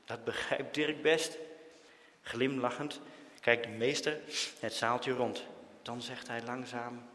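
A man reading a children's story aloud, with expressive, dramatic storytelling. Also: medium pitch, takes it slowly, pauses often, big-room sound. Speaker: narrator.

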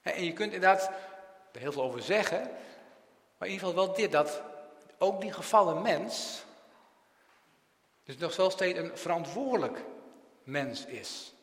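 A man's voice: high voice, animated, normal speed, pauses often, reverberant, in a large hall. A man preaching a catechism sermon in a church, asking rhetorical questions and often tagging his sentences with "hè". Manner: rhetorical questions, frequent tag "hè", strong swings in loudness.

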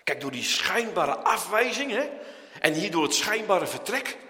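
A man preaching a sermon, acting out biblical figures as he goes, with his voice rising and falling in a lively way. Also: high voice, a little slow, long reverb tail. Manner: animated, acts out voices of biblical figures, lively rises and drops.

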